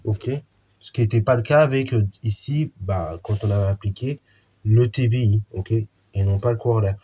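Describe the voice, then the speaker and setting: A man's voice: fairly low pitch, normal speed, dark tone, husky, dull audio. A man teaching a math lesson in an informal way, with many fillers and restarts while he explains a theorem.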